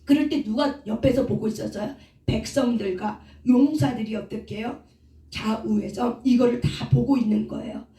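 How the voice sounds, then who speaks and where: In a prayer house, a woman with a fairly high, mellow voice delivers a sermon at a moderate pace, throwing rhetorical questions at her listeners and answering them herself. The mic sits far from her, so the room sounds echoey.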